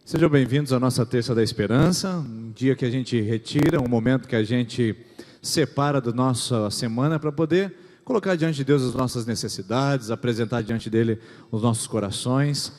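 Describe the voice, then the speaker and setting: A man's voice: mid-range voice, moderate pace, darkish tone. A man with a Brazilian Portuguese accent, a pastor welcoming the congregation and online viewers and giving announcements. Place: church sanctuary. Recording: long reverb of a church hall.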